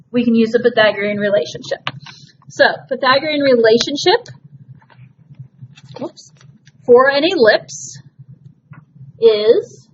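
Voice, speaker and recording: A woman teaching a math class, talking patiently through each step and reassuring students it is not magic. Her voice sits a little high. The recording is dull and lo-fi, with a faint hiss behind her. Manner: patient, reassuring, walks through steps aloud. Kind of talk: classroom lesson.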